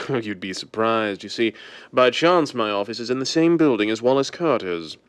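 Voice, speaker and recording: An actor playing a suave, secretive wealthy gentleman with a smooth, urbane drawl in a 1930s-style radio drama. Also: mid-range voice, animated, normal speed, close to an everyday voice. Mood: suave, breezy.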